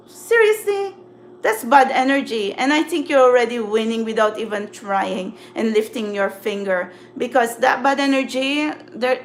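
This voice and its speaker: A woman's voice: fairly high pitch, a little hiss or hum. A woman whose first language is Filipino, speaking casually on a livestream as a tarot reader, emphatic and punctuating her points with "okay?". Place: apartment at home.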